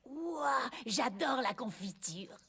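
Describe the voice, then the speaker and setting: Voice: high-pitched, lively intonation, slow, vocal fry, pushed and bright, full character voice. A performer voicing a friendly, eager young boy in a children's cartoon, with a childlike manner. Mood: happy.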